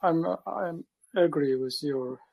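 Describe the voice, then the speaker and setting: Slow, gravelly, hesitant man learning English. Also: fairly high pitch, darkish tone. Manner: hesitant, with many pauses and fillers. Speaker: class participant.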